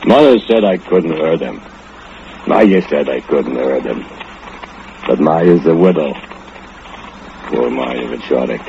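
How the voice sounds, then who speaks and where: An actor playing a brooding, murderous foundry laborer who speaks broken English with menacing low chuckles, in old radio drama style. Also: male voice, expressive, slow pace, gravelly, pauses often, a little hiss or hum, exaggerated voice. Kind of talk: 1940s radio acting. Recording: dull old radio recording with loud music.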